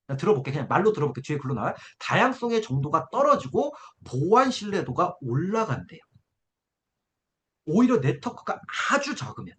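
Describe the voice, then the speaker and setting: A man's voice: on the high side, fairly bright tone, slight background noise. A man teaching an exam-prep essay class, walking students through a graph and checking in with them constantly to see that they follow. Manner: coaxing, keeps checking in with students. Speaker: essay-writing instructor.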